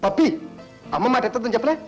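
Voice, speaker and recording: A man's voice: extremely high pitch, quick pace, soft background music, poor audio. An actor playing a stern, protective father and hardworking manager, in 1960s film drama dialogue. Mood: firm.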